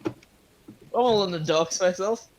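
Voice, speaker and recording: An Australian man joking around at a tabletop game, with a fairly high voice and a slow, drawn-out delivery. His banter is loose and sprinkled with swearing. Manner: joking, profane. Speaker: player.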